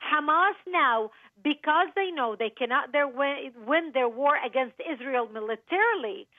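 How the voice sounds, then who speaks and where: Woman, from Lebanon, high voice, emphatic guest on a tinny phone line. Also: animated, unhurried, no room sound. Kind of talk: radio interview. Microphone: telephone.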